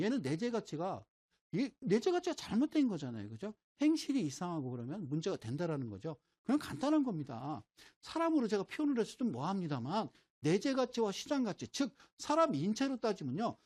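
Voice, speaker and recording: A man's voice: sits high, a little mellow. A middle-aged man lectures informally on investing, leaning on everyday examples as he sketches on a board. His voice moves up and down with plenty of life. He keeps stopping to ask whether his listeners are following. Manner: folksy, keeps asking "right?" to check the audience follows; explains with everyday homespun examples while drawing. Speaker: stock market lecturer.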